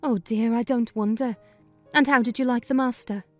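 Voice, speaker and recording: A woman's voice: a little high, steady tone, normal speed, faint music behind, natural voice. A woman reading a kindly, talkative older housekeeper in a dramatized audiobook. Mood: chatty. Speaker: narrator voicing housekeeper.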